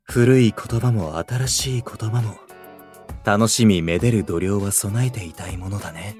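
A man's voice: fairly low pitch, measured pace, darkish tone, lightly acted. A man playing a young idol in a voice drama who speaks in formal, archaic, literary Japanese. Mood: calm, thoughtful. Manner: formal, old-fashioned, scholarly wording. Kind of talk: anime-style voice drama acting. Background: music.

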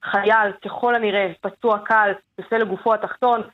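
News reporter on a tinny phone line. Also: female voice, medium pitch, fairly even intonation. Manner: brisk, precise, repeating key facts.

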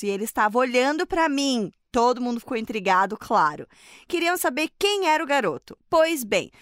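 A woman's voice: fairly high pitch, no room sound, studio quality. Giggly woman reading a story. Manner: excitable, giggly, nervous. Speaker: podcast guest co-host. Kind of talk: casual chat and reading a listener story aloud.

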